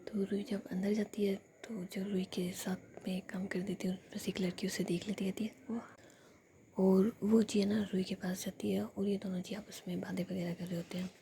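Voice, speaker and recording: Whispering woman storyteller, gravelly. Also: medium pitch, level tone, moderate pace, slight background noise. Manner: soft whisper throughout.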